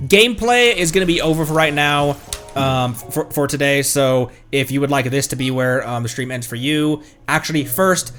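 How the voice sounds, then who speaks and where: An American man chatting casually on a game livestream in a rambling, halting way. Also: mid-range voice, a bit bright. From American Midwest and Tornado Alley region. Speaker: game streamer. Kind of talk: casual livestream chat over gameplay. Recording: game music behind the voice. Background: video game music.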